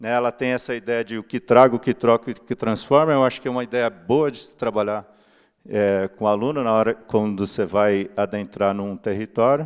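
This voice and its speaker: Moderate pace, medium pitch and fairly even intonation from a man, against a quiet background. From São Paulo, Brazil. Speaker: cultural manager and columnist; speaker, cultural educator. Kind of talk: panel talk. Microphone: handheld.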